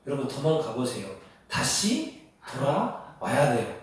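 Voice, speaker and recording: A man's voice: medium pitch, very animated, measured pace. A man preaching a sermon as pastor. He keeps asking the congregation rhetorical questions and answers them himself, with strong emphasis. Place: church sanctuary. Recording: echoey hall, voice heard from a distance.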